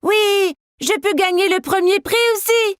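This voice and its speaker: Cartoon little boy, about four: very high pitch, slow pace, eager, innocent, curious. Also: no echo, clean studio sound. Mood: curious, excited. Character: cheerful curious four-year-old boy. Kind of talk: children's cartoon dialogue.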